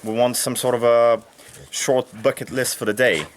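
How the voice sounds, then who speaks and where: Young adult man, Bulgarian accent, mid-pitched voice, relaxed outdoor walk-and-talk with a faint rural hum behind. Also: moderate pace. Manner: relaxed, with frequent fillers and restarts. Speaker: volunteer giving a tour. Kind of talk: casual explanatory tour. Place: outdoors in a rural garden and field.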